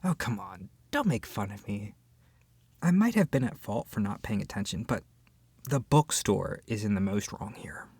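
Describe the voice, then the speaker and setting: A husky, creaky voice acts out one side of a scripted roleplay conversation as an opinionated, easily flustered book club member. The delivery is expressive and hesitant, dropping into sighs and whispered asides. The sound is dry and close. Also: low-pitched, moderate pace, dry recording. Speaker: ASMR roleplay voice actor.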